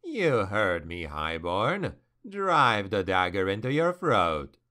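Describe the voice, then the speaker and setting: A man doing a slow, mocking ancient demon. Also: fairly low pitch, big pitch swings, sharp tone, exaggerated voice. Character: sly ancient male demon, amused and menacing.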